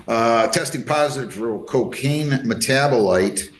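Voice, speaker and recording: A man's voice: medium pitch, measured pace. A man presiding as a judge in a courtroom recording, questioning and admonishing in a blunt, plain-spoken way. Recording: echoey courtroom recording with faint noise.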